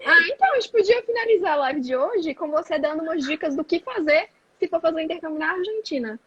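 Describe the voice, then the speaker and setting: A woman's voice: very high-pitched, expressive, fast talker, fairly bright tone, no echo, muffled recording. A woman hosting a casual live stream, enthusiastic and laughing often. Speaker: host.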